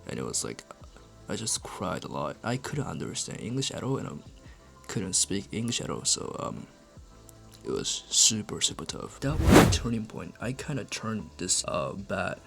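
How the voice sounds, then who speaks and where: Young man, Japanese accent, low pitch, lively intonation, halting casual vlog talk. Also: creaky, soft background music. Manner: halting, filler-heavy, asks "right?" often. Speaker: English-learning YouTuber.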